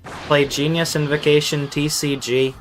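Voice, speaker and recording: On the high side and flat in delivery, a man talks unhurriedly while streaming a game live. The chat is playful and meandering with frequent repeated phrases, and game music plays faintly.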